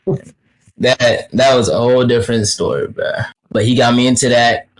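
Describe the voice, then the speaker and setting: A man's voice: mid-range voice, moderate pace, low-quality recording. A young man from Kenya, a native Swahili speaker, talking about trading in a laid-back, slangy way over a video call. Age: young adult. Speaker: guest trader. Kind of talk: casual interview.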